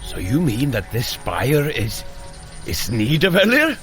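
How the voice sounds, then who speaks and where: An actor playing a hearty, earnest warrior god in an audio drama, speaking in a declamatory, wondering way. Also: male voice, mid-range voice, wildly swooping pitch, unhurried, music in the background. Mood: puzzled, earnest.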